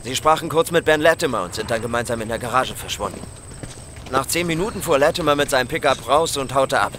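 A man's voice: medium pitch, quick pace, fairly bright tone, natural voice. Radio play junior officer, played by a man: mid-range voice, formal, obedient, faint background noise. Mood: businesslike. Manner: formal, deferential. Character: dutiful male subordinate officer, reporting crisply. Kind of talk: horror audio drama acting.

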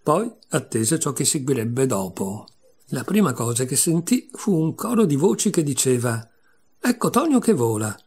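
Male audiobook reader, storybook narration, measured, expressive, mid-pitched voice. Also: breathy edge. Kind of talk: scripted narration of a classic storybook.

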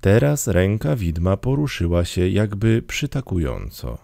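A man narrating an audiobook in measured, dramatic storytelling, recorded close on the mic. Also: low-pitched, very animated, vocal fry, mellow, no room sound. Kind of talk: scripted narration.

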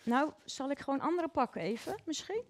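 A cheerful woman nail technician talks through her work step by step in a live online workshop. Her voice sits a little high and moves lively up and down. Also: a little fast.

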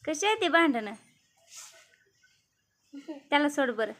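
A woman's voice: sits high, very animated, slow, fairly bright tone. A woman films her pet cats at home and talks to them in teasing baby-talk. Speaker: vlogger, mother. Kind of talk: casual home vlog, talking to pet cats.

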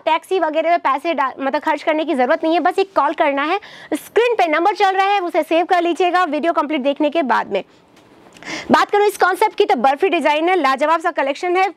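High-voiced upbeat saree shop presenter woman. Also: no echo. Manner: upbeat sales patter addressing viewers as friends. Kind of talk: promotional product showcase. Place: saree shop lined with stacked fabric, indoors.

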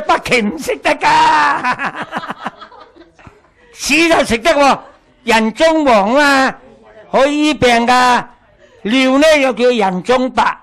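High-voiced older Cantonese teacher, slow. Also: male voice, vocal fry, a bit bright. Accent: Hong Kong Cantonese. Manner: blunt, joking, repeats himself. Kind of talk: lecture with audience questions. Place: small lecture hall.

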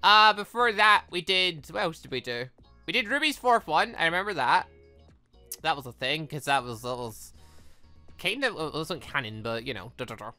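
A man's voice: fairly high pitch, very animated, normal speed, sharp tone, faint music behind. A man hosting a video game playthrough in a casual, rambling way, chatting about his plans and reading game text aloud. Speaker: let's-play host. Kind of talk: casual gameplay commentary.

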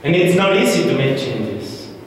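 A young man giving a memorized contest speech slowly and deliberately, with dramatic pauses, on an auditorium stage. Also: on the high side, big pitch swings. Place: large indoor auditorium stage. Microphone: far camera, no visible mic. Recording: echoey hall from far off, faint hiss.

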